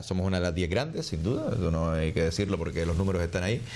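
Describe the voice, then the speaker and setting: A man is speaking. Room echo can be heard. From Canary Islands, Las Palmas de Gran Canaria. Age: 40s. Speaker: mayor, politician. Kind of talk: interview.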